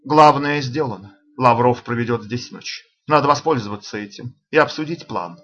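A man voicing a calm, restrained doctor. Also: close to an everyday voice. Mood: relieved. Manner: calm, measured, lowered voice. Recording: dull lo-fi audiobook recording.

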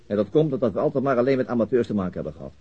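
A man playing a sober, methodical police detective in a radio drama, reasoning in a deliberate, matter-of-fact way. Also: mid-range voice, big pitch swings, breathy edge. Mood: earnest, reasoning. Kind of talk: Dutch radio drama acting. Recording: dull, lo-fi radio drama recording.

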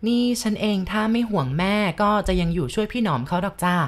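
A shy young woman from the countryside who answers gently and politely. A woman narrator plays her in the story's plain reading voice. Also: medium pitch, expressive, fast, natural voice.

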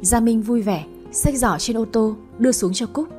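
A woman's voice: fairly high pitch, moderate pace, warm tone, faint music behind. A woman reading a romance story aloud, narrating and voicing every character herself. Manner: reads every character herself, shifting tone for dialogue. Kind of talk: storytelling narration with voiced dialogue.

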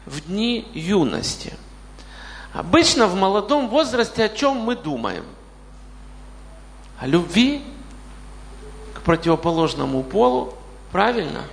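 Male pastor, late 40s, gravelly voice, reverberant hall. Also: high-pitched. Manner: questions the congregation directly. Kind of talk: sermon.

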